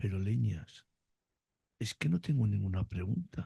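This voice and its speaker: In a dry, close sound with no echo, a man talks at a very slow pace with lively intonation, his voice dark, mellow and somewhat breathy. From Aragon, Spain. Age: 60s. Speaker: lay apostolate member, audience. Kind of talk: audience comment. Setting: conference hall with microphone.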